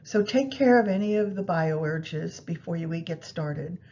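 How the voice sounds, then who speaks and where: A woman guiding a meditation practice in a soothing, unhurried manner, pausing between phrases. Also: expressive, dark tone. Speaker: yoga nidra meditation guide. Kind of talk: guided meditation instruction. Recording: muffled, low rumbling background noise.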